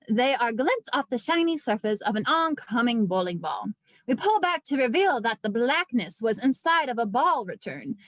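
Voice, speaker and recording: A woman reading screenplay stage directions as scripted narration, with vivid, deliberate storytelling. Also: high-pitched, dry recording.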